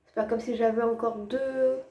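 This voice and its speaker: A woman's voice: a little high, fairly even intonation, normal speed, mellow. A woman in her twenties chatting casually to her viewers, her voice stuffy and worn from a head cold, rambling with lots of fillers. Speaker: vlogger.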